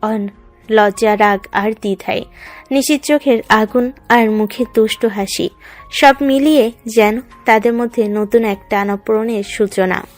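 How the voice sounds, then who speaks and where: A woman's voice: a little high, unhurried, soft background music. A woman reading scripted narration for a romance story in a dramatic, descriptive way.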